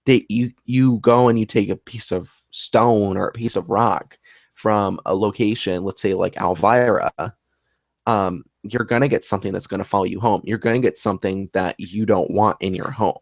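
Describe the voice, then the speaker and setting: Gravelly low-voiced man, earnest. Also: fairly even intonation, moderate pace, no echo, clean studio sound. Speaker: paranormal investigator. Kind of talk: casual conversation.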